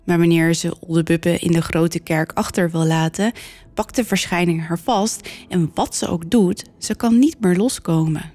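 A woman podcast host narrating a folk tale in a clear, steady storytelling manner. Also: lowish voice, normal speed.

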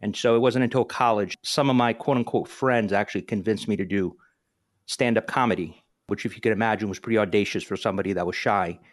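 A talkative man in his forties hosts a podcast in a casual, upbeat way. He grew up in New Jersey and learned Greek before English, and he often restarts his sentences as he goes. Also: lowish voice. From northern New Jersey. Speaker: podcast host.

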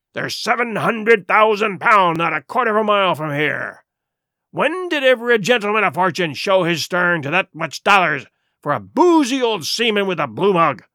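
A man voicing a stubborn, defiant old pirate leader with rough, blustering sailor's talk. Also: on the high side, sharp tone, dry recording, studio quality, exaggerated voice.

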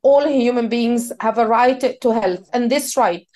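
A woman speaking as a live interpreter, rendering an official's words in English in a measured, formal way. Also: on the high side, a little mellow. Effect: live interpreter voice, rendering another speaker's words in English.

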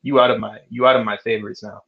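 A male podcast host in a casual sports chat who talks in an excitable, slangy way. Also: fairly low pitch, fast, creaky, breathy edge. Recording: dull lo-fi sound.

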